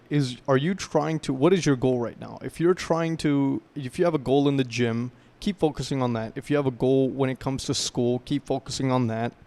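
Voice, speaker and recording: A man's voice: medium pitch, a little mellow. A young man giving a casual self-improvement talk to camera, loose and rambling, often checking in with "right?" and explaining through gaming comparisons.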